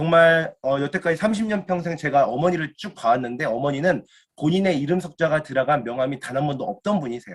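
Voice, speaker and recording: This man has a normal speaking voice, fairly high in pitch, with lively intonation at a moderate pace. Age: 30s. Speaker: network marketing distributor. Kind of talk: motivational seminar talk. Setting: video call lecture. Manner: frequent fillers.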